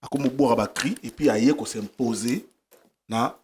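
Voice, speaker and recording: A man's voice: medium pitch, measured pace, a little mellow, slight background noise. A man who puts questions to a guest, polite and switching between Lingala and French. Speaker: caller asking questions. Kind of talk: interview questions.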